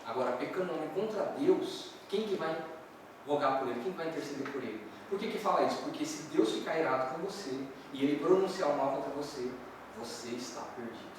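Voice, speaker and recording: A man's voice: on the high side, lively intonation, fairly quick, slight background noise. A male pastor preaching a sermon, repeating key points and asking the congregation rhetorical questions. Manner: repetitive, with many rhetorical questions. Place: large echoey church hall. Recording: very echoey hall, voice heard from far off.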